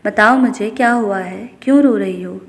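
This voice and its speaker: A woman voicing a devoted young husband who speaks softly and tenderly, coaxing and teasing. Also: medium pitch, in a large hall, natural voice.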